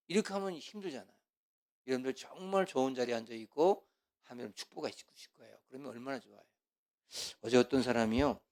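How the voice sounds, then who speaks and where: A man preaching as a pastor in an animated lecture, full of rhetorical questions and swinging from loud to hushed. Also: mid-range voice. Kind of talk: sermon lecture.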